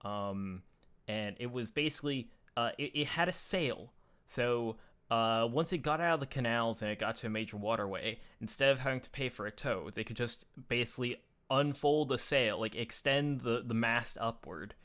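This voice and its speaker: A man's voice: medium pitch, normal speed, fairly bright tone, smooth. A man hosting a casual live-stream chat, rambling with many uhs and restarts as he shows pictures. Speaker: show host sharing his picture folder.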